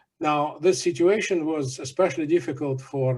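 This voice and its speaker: A somewhat breathy male voice. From Soviet Union. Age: 60s. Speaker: speaker at a faith talk. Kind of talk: talk. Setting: video call. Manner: halting.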